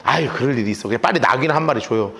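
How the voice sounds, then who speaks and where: A man's voice: medium pitch, animated, racing, gravelly, pushed and bright, roomy sound, voice pushed down. Preacher doing a frantic mother, pleading and urgent. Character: desperate grieving mother.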